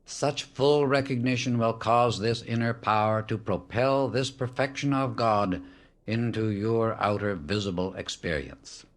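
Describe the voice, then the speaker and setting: A man with a fairly low voice narrates a spiritual audiobook. His delivery is solemn and measured, with each phrase set out as a firm declaration.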